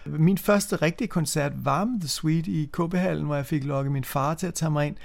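Creaky-voiced Danish man, hesitant. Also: on the high side. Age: 50s. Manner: hesitant, repeats words while recalling memories. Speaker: co-host. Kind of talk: casual radio chat about music.

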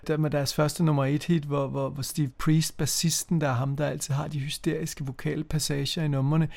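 This fifties-aged Danish co-host reminisces during a relaxed radio conversation about music, stumbling into frequent restarts and repeated words. His fairly high voice is level in tone, gravelly and a little mellow.

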